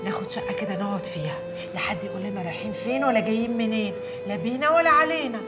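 An actress playing a wronged young maid who wails and curses, with an Egyptian accent. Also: female voice, medium pitch, very fast, loud music behind the voice, close to an everyday voice. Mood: fretful banter. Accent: Egyptian Arabic. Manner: wailing, cursing outbursts. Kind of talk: TV drama acting.

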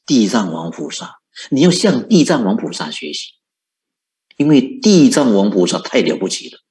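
A man giving a Buddhist dharma talk as a monk teacher, asking rhetorical questions and chuckling often. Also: on the low side. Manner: animated, rhetorical questions, frequent chuckles and drawn-out particles.

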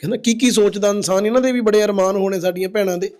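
Punjabi man consoling, high-pitched. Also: quick pace, darkish tone. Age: adult. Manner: consoling, appealing to viewers as brothers and sisters. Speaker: social-service video host. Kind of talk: on-location charity appeal. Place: outdoors at a village home.

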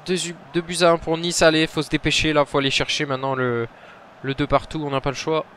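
A man narrates his football video game match, his voice sitting a bit higher than most men's. He talks low and quiet between plays and bursts into shouts at the big chances. Faint outdoor noise hums behind him. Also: fast talker. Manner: excitable, shouts at goals, mutters between plays. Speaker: gaming commentator.

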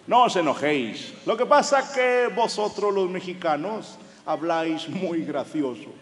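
A man's voice: sits high, expressive, measured pace, long reverb tail. A man putting on a Spain accent to play a smug Spaniard mocking how Mexicans talk. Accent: Spanish from Spain, imitated.

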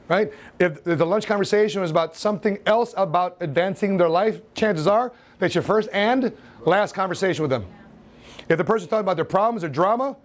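A man in his forties giving an animated motivational seminar talk in a training room, laughing and acting out scenes as he paces. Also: high-pitched. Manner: paces and gestures in front of the audience. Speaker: seminar speaker. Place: indoor training room with whiteboard and seated audience.

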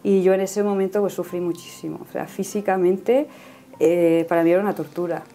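A woman's voice: fairly low pitch, fairly even intonation, brisk, dark tone. A woman in her thirties telling her personal faith story in earnest conversation. She often ends phrases with a questioning "no?". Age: 30s. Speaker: guest giving a faith testimony.

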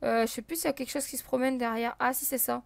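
A woman's voice: a little high, steady tone, quick pace, gravelly, no room sound. A woman casually commenting on her gameplay as a let's play host, thinking aloud with many fillers and talking to her viewers. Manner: counts and checks items out loud.

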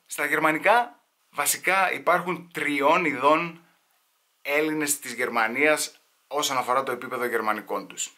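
A man tells comic stories from his home in an easy, slangy way. His voice is bright and forward, with a mid-range pitch. He slips into mock voices now and then. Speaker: comedian storyteller. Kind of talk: sit-down comedy storytelling.

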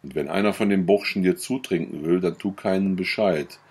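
Old widowed farmer from a storybook, measured and husky; male reader. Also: low-pitched, a little mellow. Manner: deliberate, measured.

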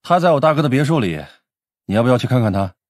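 A man's voice: medium pitch, expressive, quick pace, no echo, studio quality, lightly acted. A man playing a cool, blunt police detective in his twenties in an audiobook drama, terse and assured. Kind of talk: Mandarin audiobook drama acting.

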